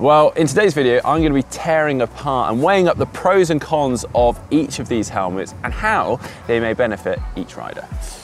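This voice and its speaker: Over faint background music, a man speaks at a moderate pace with hardly any pauses, and the sound is dry with no echo. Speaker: presenter. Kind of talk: presenter explainer. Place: street.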